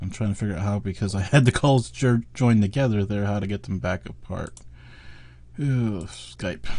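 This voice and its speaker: Speaking at a moderate pace, a man uses a fairly low pitch and a dark, mellow tone. His voice is somewhat breathy, with lively intonation. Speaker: podcast host. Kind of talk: casual talk while fixing a dropped call. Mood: puzzled, mildly distracted. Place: home room.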